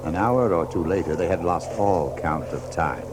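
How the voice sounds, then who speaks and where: A man's voice: low-pitched, moderate pace, noisy background. A man narrating a children's story in a dramatic, scripted storybook style. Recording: music behind the narration.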